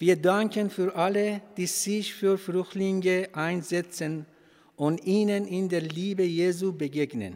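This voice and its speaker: Very slowly and with fairly even intonation, a man speaks in a high voice. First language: Farsi (speaking German). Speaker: refugee, church member. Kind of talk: prayer.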